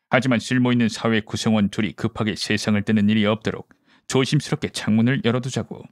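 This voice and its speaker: A man performs a brisk male detective from an audiobook mystery. He lays out deductions methodically and gives orders with assurance. The voice sits at a medium pitch in a dry, close sound. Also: no echo, lightly acted. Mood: brisk, instructing. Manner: deductive, explanatory, commanding. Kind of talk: audiobook character dialogue.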